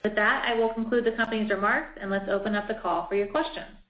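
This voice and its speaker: A woman's voice: mid-range voice, fairly even intonation, fast. A woman reading prepared financial remarks in a formal, scripted way, as a company executive on an earnings call. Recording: dull, roomy conference call audio.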